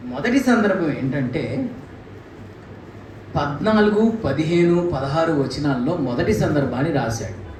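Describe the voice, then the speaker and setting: Animated preacher in an echoey church. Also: male voice, medium pitch. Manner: animated, mimics scripture voices, rhetorical questions. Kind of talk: sermon. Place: church hall. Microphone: handheld mic. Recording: echoey church room, distant mic, faint noise.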